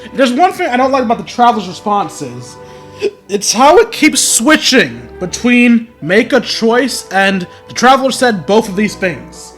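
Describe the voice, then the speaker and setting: A man's voice: very high-pitched, sing-song, unhurried, a bit bright, soft background music. A man giving casual, playful and opinionated commentary as he plays through a game. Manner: playful, opinionated, repeats himself. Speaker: gaming YouTuber.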